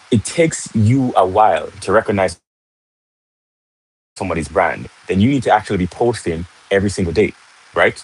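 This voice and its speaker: A young livestream host from Jamaica, speaking with a Jamaican accent in a lowish, breathy-edged voice, teaches casually from his home there. He is chatty, keeps saying "right?", and pauses to greet viewers. The recording is of low quality.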